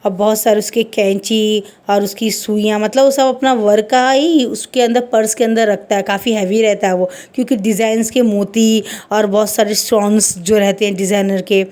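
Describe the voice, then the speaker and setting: Woman, storyteller, conversational, rambling, warm mellow voice. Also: medium pitch, fairly even intonation, normal speed, hardly any pauses. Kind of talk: fan fiction storytelling narration.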